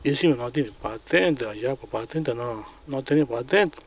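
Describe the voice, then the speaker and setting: A man with an Argentine accent recounting events in a casual interview at home, halting and full of restarts. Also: medium pitch, expressive. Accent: Argentine Spanish. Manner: halting, many restarts and repeated words. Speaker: traffic agent interviewed.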